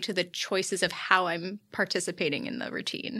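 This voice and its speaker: A woman with an American accent talks at a fairly quick pace in a bright, sharp tone with ordinary pitch variation. The recording is very clean, with a silent background. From New York City. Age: 20s. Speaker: zero waste entrepreneur. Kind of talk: interview conversation.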